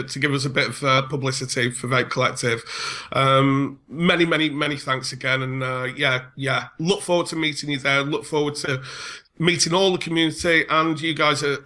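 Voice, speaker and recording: A man's voice: a little high, bright, forceful tone. A man appearing as a guest to promote an event, speaking earnestly and hesitantly. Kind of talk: casual interview.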